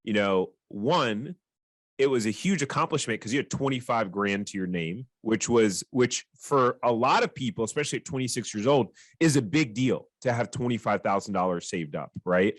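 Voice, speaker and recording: A man's voice: mid-range voice, animated, normal speed, no echo. A man hosting a franchise podcast, talking in an upbeat, enthusiastic way with his guest. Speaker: podcast host. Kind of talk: podcast interview.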